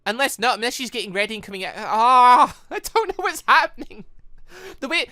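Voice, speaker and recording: A woman hosting a gaming video, giving casual, excitable playthrough commentary with halting exclamations. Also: a little high, dry recording, clean studio sound.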